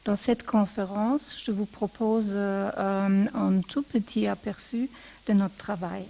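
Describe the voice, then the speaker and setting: Woman, non-native French speaker, slow, measured academic lecturer at a podium mic. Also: mid-range voice, steady tone, gravelly, mellow. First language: not French. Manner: slow and careful, with hesitations. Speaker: museum provenance researcher giving a lecture. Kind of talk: formal academic lecture read aloud. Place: lecture hall seminar.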